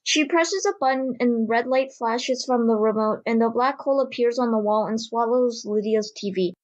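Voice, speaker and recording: High-voiced woman narrating. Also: normal speed, muffled recording. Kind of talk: scripted narration.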